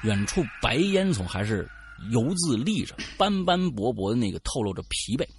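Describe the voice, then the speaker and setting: A man hosting and narrating a spooky first-person story with dramatic, animated delivery and chatty asides. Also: mid-range voice, normal speed, slight background noise. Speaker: storyteller host.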